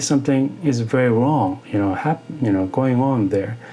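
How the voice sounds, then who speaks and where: Music plays in the background. The speaker has a Korean accent. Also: man. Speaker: pastor. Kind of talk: interview testimony. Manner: halting, many fillers.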